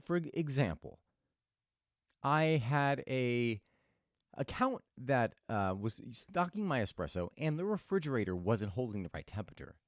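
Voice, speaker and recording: A man's voice: mid-range voice, very animated, measured pace, no echo, studio quality. A man hosting a reflective motivational talk, telling stories thoughtfully with frequent restarts. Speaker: host.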